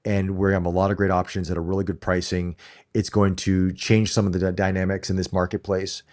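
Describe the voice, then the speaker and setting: This middle-aged American co-host has a deep, slightly mellow voice with a level tone, and he talks fast. On the casual live-stream chat, he speaks emphatically and keeps restarting phrases.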